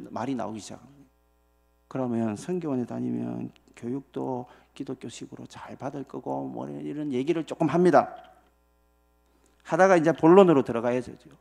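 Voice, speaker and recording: A man's voice: on the high side, creaky. A male pastor giving a sermon in church, telling a story with many rhetorical questions to the congregation. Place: church sanctuary.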